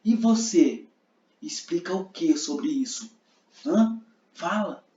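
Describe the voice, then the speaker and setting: An indignant scribe who corners his listener and keeps pressing for an answer, voiced by a man. He pitches up high and pushes his voice out loud. The sound is mellow, roomy and a little dull. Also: lively intonation, slow pace, recorded from a distance. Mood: accusing. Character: indignant male scribe accusing a woman.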